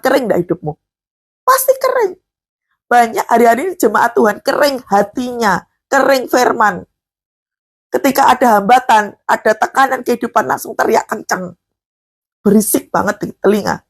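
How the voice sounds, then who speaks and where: Husky woman preaching, voice jumps all over, keeps asking the congregation questions. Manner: animated, questioning the congregation, swings high and emphatic. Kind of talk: live devotional sermon.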